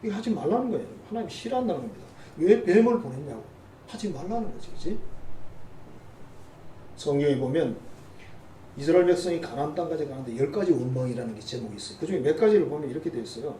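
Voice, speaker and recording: High, lively pastor in a roomy church. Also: male voice, quick pace, a little hiss or hum. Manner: conversational, teasing asides to the congregation. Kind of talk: sermon. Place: church sanctuary. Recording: roomy church sound from a distant mic.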